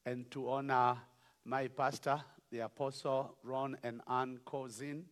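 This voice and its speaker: A man with a Kenyan accent, a bishop speaking to a church, jovial and teaching slowly with laughs. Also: mid-range voice, level tone. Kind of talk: sermon with song.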